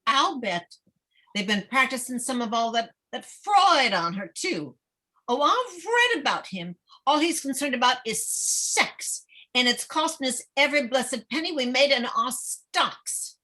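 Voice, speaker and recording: A woman's voice: high-pitched, big pitch swings, measured pace, sharp tone, exaggerated voice. A woman playing a fretful small-town wife and mother in a table read, complaining and scolding. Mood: peevish, complaining.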